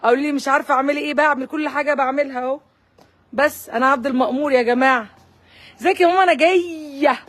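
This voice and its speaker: A woman's voice: high-pitched, fairly even intonation, racing, a bit bright. Egyptian woman vlogging outside, playful cooing chatter, echoey and far from the mic. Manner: playful, cooing greetings to her animals. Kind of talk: casual vlog chat.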